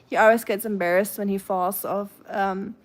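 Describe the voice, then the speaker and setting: A woman from Germany's Black Forest with a German accent, chatting casually with viewers on a livestream, warm and chatty with fillers and soft laughs, her voice trailing quietly at phrase ends. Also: mid-range voice, fairly even intonation, moderate pace. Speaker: livestream host. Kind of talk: casual chat, reading viewer comments aloud.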